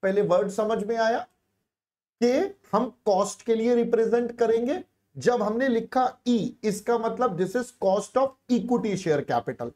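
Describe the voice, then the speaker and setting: A man's voice: very high-pitched, slow, darkish tone. A man teaching a live online class, coaxing students, repeating phrases and mixing in English.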